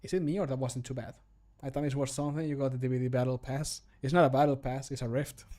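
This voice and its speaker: A man's voice: medium pitch, steady tone, fast, dark tone. A man in his thirties chatting casually on a livestream in a jokey, self-deprecating, sweary way. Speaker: streamer recording mod voice lines. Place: indoor home room.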